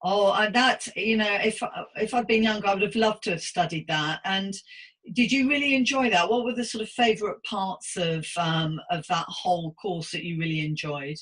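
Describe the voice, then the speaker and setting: Bright-voiced British woman interviewing. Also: mid-range voice, moderate pace. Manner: empathetic, chatty, probing with questions. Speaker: podcast host and interviewer. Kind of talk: conversational interview.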